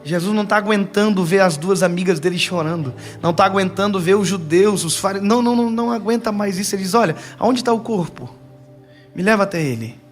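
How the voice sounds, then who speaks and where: A young man preaching a sermon, animated, acting out quotes in a high strained voice. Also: fast, soft background music. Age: young adult.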